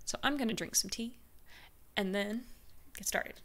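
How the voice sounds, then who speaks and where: A woman's voice: medium pitch, moderate pace, a bit bright. A young woman hosting a casual reaction video, chatty and gushing, with a groggy morning voice.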